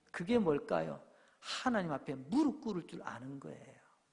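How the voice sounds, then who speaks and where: With very wide pitch swings, a man talks at a fairly slow pace amid audible room echo. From Gyeongsang Province, South Korea. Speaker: pastor. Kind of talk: sermon.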